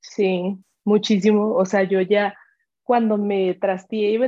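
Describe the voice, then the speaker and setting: The speaker is a woman. She has a medium pitch. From Colombia. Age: 30s. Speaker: makeup artist and hairstylist. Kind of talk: casual interview chat. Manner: calm.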